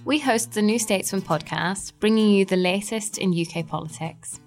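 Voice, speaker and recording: A woman's voice: medium pitch, moderate pace. A woman, a podcast host reading a scripted promo. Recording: guitar music under the voice. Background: plucked guitar music.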